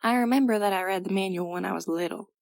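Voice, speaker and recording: A woman's voice: medium pitch, quick pace, gravelly, natural voice. A woman playing a stubborn, anxious and gullible young twin sister in an audio drama, talking in folksy slang. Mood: insistent. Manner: folksy slangy speech with ain't and gotta.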